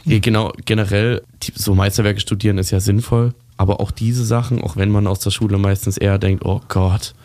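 A man's voice: fairly low pitch, fairly even intonation, brisk, hardly any pauses, darkish tone, no room sound. A man hosting a casual radio talk show, rambling and correcting himself as he chats about literature, laughing often. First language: German.

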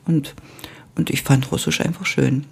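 An older woman from East Germany, a former Russian teacher, recalling her past slowly and with many hesitations in an interview. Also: sits low, steady tone, creaky, a little mellow, husky. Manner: slow and reminiscent, with frequent hesitations. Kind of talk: oral history interview.

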